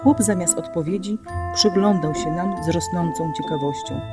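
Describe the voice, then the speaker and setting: A woman narrating a story in lively scripted style, shifting her voice for the characters. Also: fairly low pitch, moderate pace. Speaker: audiobook narrator. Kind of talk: scripted narration with acted dialogue. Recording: music bed under the voice.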